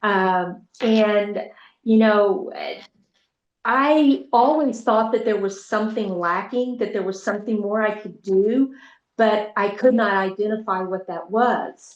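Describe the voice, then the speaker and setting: Speaking very slowly, a woman uses a fairly high pitch. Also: ordinary pitch variation. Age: 60s. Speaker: retired school teacher, product testimonial giver. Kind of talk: testimony. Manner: hesitant with frequent fillers.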